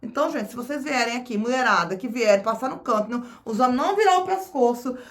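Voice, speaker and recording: A woman's voice: on the high side, lively intonation, quick pace. A woman from Brazil with a Brazilian Portuguese accent, chatting casually to her viewers as a vlogger, often repeating her phrases. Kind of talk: casual chat to camera.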